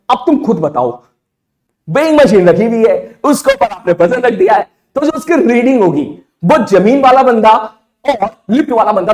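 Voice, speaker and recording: A man's voice: high-pitched, a little mellow. A male physics teacher giving a casual exam-prep lecture, asking and repeating his own questions. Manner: conversational, asks and repeats questions.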